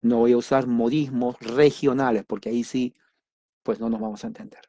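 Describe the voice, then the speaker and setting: A man's voice: mid-range voice, big pitch swings, gravelly, warm tone, no echo. Emphatic man teaching Bible class, dry sound. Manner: emphatic, repeats key words; deliberate, simple wording. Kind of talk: church doctrine class.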